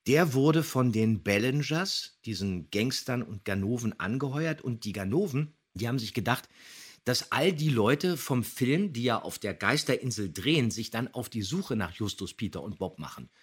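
A man's voice: mid-range voice, animated, moderate pace, slightly rough. A mature man chatting on a podcast, explaining details with enthusiasm. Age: middle-aged or older. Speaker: podcast co-host, radio play voice actor. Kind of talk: casual podcast talk, explaining.

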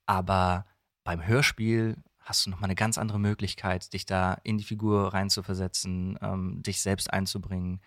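Man, thirties, low pitch, dry close recording, casual interview guest. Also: level tone, normal speed, fairly bright tone, no room sound. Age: 30s. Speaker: guest, voice actor for dubbing and audio dramas.

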